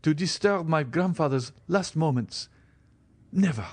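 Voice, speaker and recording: A man putting on a despairing young woman, high and pleading. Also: animated, a little slow, darkish tone. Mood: grieving.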